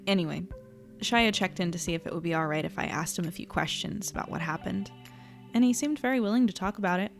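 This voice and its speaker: A woman's voice: fairly low pitch, fast, vocal fry, faint music behind. A woman playing an earnest, curious young journalist in a fiction podcast, polite and a little hesitant. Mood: candid, wry. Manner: hesitant, stammering when caught out, polite. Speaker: newspaper editor and narrator. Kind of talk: fiction podcast acting and narration.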